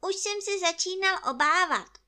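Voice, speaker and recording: A woman voicing a naive, greedy bear cub with a high, squeaky, plaintive voice in a storybook reading. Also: bright, forceful tone. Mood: relieved.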